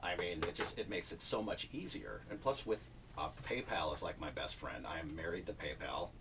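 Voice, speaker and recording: A man's voice: deep voice, normal speed, fairly bright tone, a little hiss or hum. A man who coaches voiceover talent, chatting casually and joking in an interview. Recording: distant mic with faint ambience.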